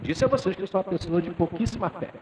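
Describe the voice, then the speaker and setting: A man in his fifties, a lecturer from Brazil, tells a story in a loose, chatty way and keeps checking in with his listeners. His voice sits a little high for a man. He is recorded from a distance in a roomy hall with a faint hiss behind him. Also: very fast, darkish tone. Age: 50s. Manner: conversational, tags sentences with "né?". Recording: echoey hall from far off with faint noise.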